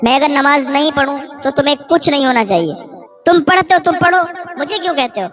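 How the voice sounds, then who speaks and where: A woman's voice: high voice, a crowd in the background, natural voice. A woman voicing a dead wife who confesses how she mocked her husband, in a storytelling sermon. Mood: mocking. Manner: mocking, dismissive.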